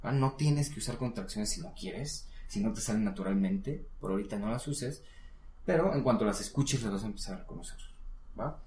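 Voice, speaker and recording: In a lowish, slightly mellow voice, a man with a Mexican Spanish accent talks a little fast during an informal private English lesson. He encourages his learner patiently and checks in often, with the room's echo audible.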